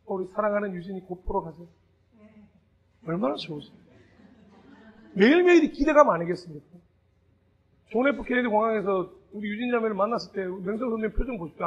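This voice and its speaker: High, husky-voiced male pastor preaching. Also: highs cut off. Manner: conversational, swings into shouted emphasis; asks the congregation direct questions. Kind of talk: Sunday sermon.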